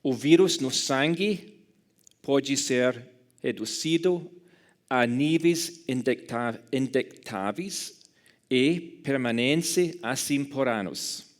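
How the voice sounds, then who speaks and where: A man from Scotland delivers a lecture with a clear Scottish English accent. He talks at a slow, unhurried pace in a mid-range voice, carefully choosing his words and fixing small slips as he goes. A dry humor surfaces now and then. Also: mid-range voice. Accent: Scottish English speaker speaking Portuguese. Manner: careful, halting delivery with self-corrections. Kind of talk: academic lecture in a second language.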